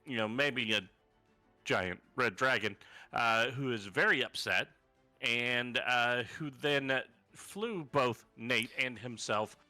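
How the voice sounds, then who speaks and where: Bright-voiced man recapping as game master. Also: mid-range voice, takes it slowly. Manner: loose, rambling, lots of fillers and self-corrections. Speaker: dungeon master. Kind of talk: casual session recap for a tabletop game. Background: faint fantasy background music.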